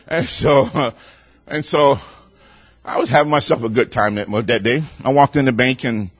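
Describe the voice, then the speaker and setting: A man preaching a sermon in a loud, boisterous way, building up to near shouting and easing back into storytelling. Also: mid-range voice, dry recording.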